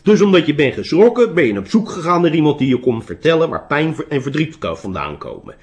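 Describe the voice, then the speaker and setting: A man voicing a gruff, blunt old hermit with a white beard who teases with sharp questions. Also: fairly high pitch, very animated, a little fast, voice pushed up.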